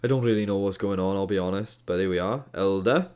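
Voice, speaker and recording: A man's voice: deep voice, fast talker, darkish tone, clean tone. A man with a Welsh accent, tinged with Scottish, casually reviewing a match as an esports caster, exasperated and jokey with slangy asides. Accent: Welsh, with a hint of Scottish. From Wales. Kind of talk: casual game review commentary.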